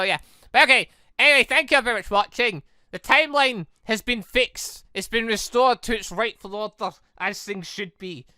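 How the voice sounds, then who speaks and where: Male game streamer, crisp and bright, rambling excitably through playthrough commentary. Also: high voice, dry recording, studio quality. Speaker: gaming video host. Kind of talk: playthrough commentary of a visual novel.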